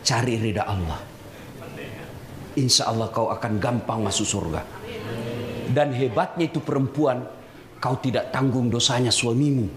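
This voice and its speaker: A man preaching a humorous sermon to a live audience, teasing and addressing listeners directly. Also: mid-range voice. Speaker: Islamic preacher. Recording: echoey hall with crowd noise.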